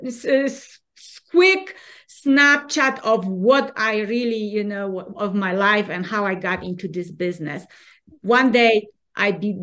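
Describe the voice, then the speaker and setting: A woman with a Polish accent talks as a guest in an interview. Her delivery is earnest and emphatic, with frequent restarts as she presses her points. Her voice sits in a middle range for a woman. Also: mid-range voice. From Poland. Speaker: guest, leadership coach. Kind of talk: conversational interview.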